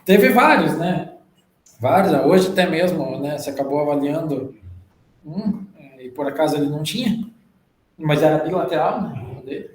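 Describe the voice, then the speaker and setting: A man with a fairly high voice and a Brazilian Portuguese accent leads an academic presentation. He explains in long stretches and keeps checking in with tag questions. The room around him sounds echoey. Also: lively intonation, normal speed, slight background noise. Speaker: journal club presenter. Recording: roomy echo.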